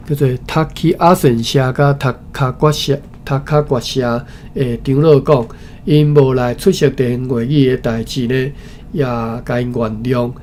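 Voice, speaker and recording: A man with a Taiwanese accent reads a historical text aloud as a study session presenter, haltingly, often repeating phrases and adding informal asides. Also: mid-range voice, darkish tone. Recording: clearly noisy recording with background ambience.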